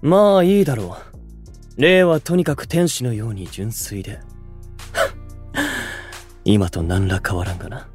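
A man's voice: mid-range voice, very animated, a little slow, pauses often, faint music behind. A man playing a haughty young man in a voice drama, pompous and theatrical, doting grandly on his twin brother. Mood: doting, grandiose. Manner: pompous, archaic and theatrical phrasing. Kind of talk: Japanese voice drama acting.

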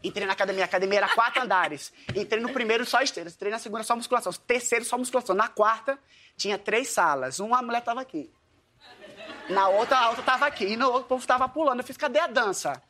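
Before an audience, a man from Paraíba with a Northeastern Brazilian accent performs comedic storytelling as a guest, a dance teacher by trade. He talks fast in a very high-pitched voice, with slight background noise, animatedly voicing the characters and his own lines.

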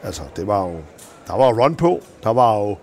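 A man, a former handball coach, telling animated stories in an interview and acting out the people he quotes. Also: fairly low pitch, a little hiss or hum. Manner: animated, acts out quoted voices in anecdotes. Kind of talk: anecdotal interview storytelling.

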